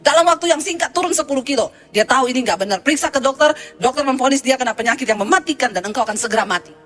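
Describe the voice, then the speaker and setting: A woman's voice: sits high, lively intonation, rapid-fire, fairly bright tone, soft background music. A woman pastor preaching a sermon, animatedly retelling congregants' testimonies.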